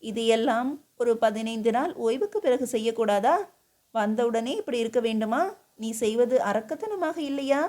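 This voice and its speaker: A woman's voice: fairly high pitch, moderate pace, darkish tone, lightly acted. A woman voicing a stern, exasperated male emperor who scolds his wife with incredulous questions, in an audiobook reading. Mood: reproachful. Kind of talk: audiobook character voice.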